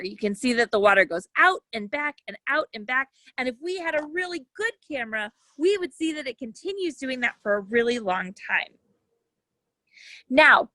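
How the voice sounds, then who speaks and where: A woman's voice: sits high, fairly bright tone, no room sound. A woman science educator presenting a lesson for young children, explaining things in simple terms as she reads and demonstrates.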